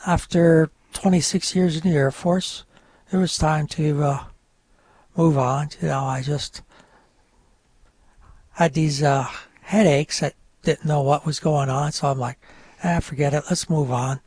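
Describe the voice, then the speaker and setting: A man in his fifties from northern New York, whose first language is French, telling his story as a radio guest in a rambling, halting way. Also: a little high, fairly even intonation, a little mellow, husky, no room sound. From northern New York, French-speaking home. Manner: rambling, halting with many fillers. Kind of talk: casual radio interview storytelling.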